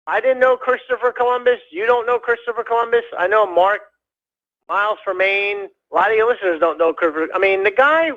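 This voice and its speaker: A man calling in to a radio show, rambling in a halting way with many fillers and restarts. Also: high-pitched. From United States. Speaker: caller. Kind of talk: rambling call-in chat. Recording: dull lo-fi phone call.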